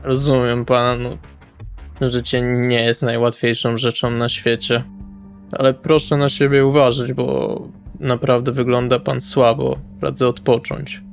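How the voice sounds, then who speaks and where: A man's voice: mid-range voice, flat delivery, measured pace, creaky, soft background music. A man playing a polite, tentative man who shows concern for a troubled stranger in a tabletop game. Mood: sympathetic. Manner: tentative, courteous, stumbling over words.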